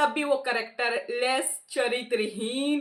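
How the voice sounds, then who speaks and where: A woman's voice with a bright, sharp tone. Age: 30s. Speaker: video blogger on social issues. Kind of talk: opinion monologue. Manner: animated.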